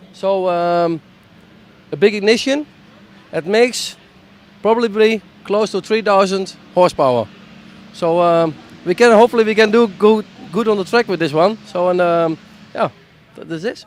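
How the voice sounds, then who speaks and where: With a Dutch accent, the speaker keeps a moderate pace and ordinary pitch variation, broken by long, frequent pauses. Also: man, high pitch for a man. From Netherlands. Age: 40s. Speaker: tractor puller. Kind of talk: interview. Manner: halting.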